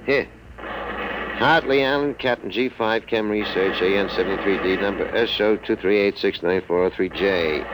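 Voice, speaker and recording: A man playing a gruff, blunt army medic sergeant in a 1950s radio drama, talking in a rough colloquial way. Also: on the low side, normal speed, close to an everyday voice. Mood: weary, matter-of-fact. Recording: very noisy old radio recording.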